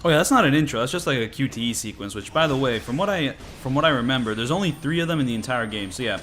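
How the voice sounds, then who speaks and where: A man's voice: mid-range voice, animated, racing, fairly bright tone, soft background music. A man giving casual, rambling gameplay commentary, a little stuffy from a cold. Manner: rambling, lots of filler words. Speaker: gaming commentator.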